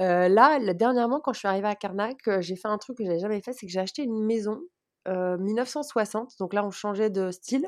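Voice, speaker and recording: A woman with an unremarkable speaking voice talks at a moderate pace and medium pitch. Her pitch variation is ordinary, and the background is quiet. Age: 40s. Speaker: second-hand dealer and shop owner. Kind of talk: interview conversation. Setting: remote call.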